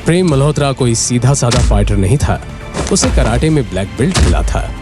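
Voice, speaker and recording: A man's voice: medium pitch, very animated, brisk, loud music behind the voice. A man narrating an audio drama in a dramatic storytelling way.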